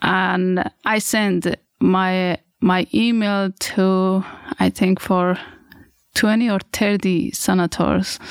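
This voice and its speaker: Very slowly, a woman with an Afghan accent speaks at a medium pitch with fairly even intonation and very even loudness, the sound dry and close with no echo. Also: very clean recording, silent background. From Afghanistan, Kabul. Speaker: refugee and community advocate. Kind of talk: interview conversation. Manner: halting, with many fillers.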